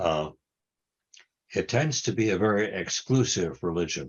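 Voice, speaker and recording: A man with an American accent speaks at a fairly slow pace, his pitch varying in an ordinary way. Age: 80s+. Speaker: philosopher. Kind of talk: Q&A conversation. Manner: halting.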